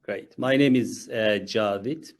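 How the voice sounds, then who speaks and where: A man from Turkey, a Muslim chaplain, speaking haltingly on a panel over a video call, with many fillers and restarts. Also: lowish voice, gravelly.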